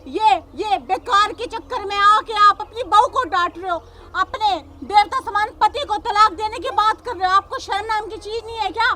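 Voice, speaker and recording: Actress as a young village daughter-in-law policewoman, defiant and preachy, bright high voice. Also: normal speed, a little hiss or hum. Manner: combative, lecturing, repeats "samajh gaye".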